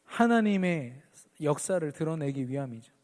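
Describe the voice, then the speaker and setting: A man's voice: fairly high pitch, animated, moderate pace, a little mellow, big-room sound. A man preaching an earnest sermon as pastor at a midweek church service, lifting his voice on key phrases.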